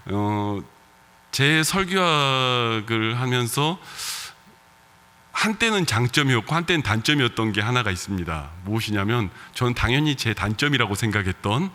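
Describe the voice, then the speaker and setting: Man, pastor, regional Korean accent, bright forceful voice, chatty sermon, long church reverb. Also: medium pitch, animated, normal speed. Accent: regional Korean dialect. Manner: conversational preaching with soft laughs and fillers. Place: church sanctuary.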